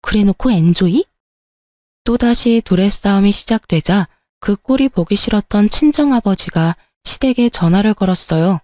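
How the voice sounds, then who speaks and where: A woman narrating her own story in a calm, matter-of-fact way. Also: mid-range voice, normal speed, hardly any pauses, no room sound, studio quality.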